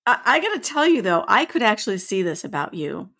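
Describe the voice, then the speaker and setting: A woman's voice: mid-range voice, very animated, a little fast, bright, forceful tone. A woman co-hosting a podcast in casual chat, asking curious questions and encouraging her co-host.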